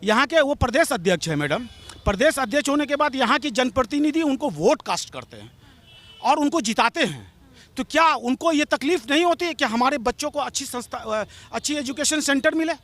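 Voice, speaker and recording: A man's voice: very high-pitched, sing-song, brisk, a bit bright. A man giving an impassioned, argumentative street interview, pressing his demands and repeatedly calling the interviewer madam. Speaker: local political supporter interviewed.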